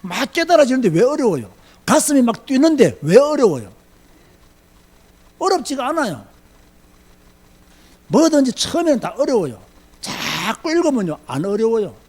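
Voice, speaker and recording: High-voiced emphatic male preacher. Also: very animated, moderate pace, pauses often, darkish tone. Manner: emphatic, asks rhetorical questions and repeats himself. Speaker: pastor. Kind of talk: sermon-style Bible lecture.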